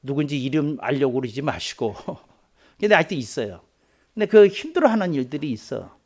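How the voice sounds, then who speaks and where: A Korean man who is a pastor, preaching a sermon in a storytelling way that slows down for emphasis. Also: very animated, darkish tone. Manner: storytelling, voicing quoted people with rising pitch and force.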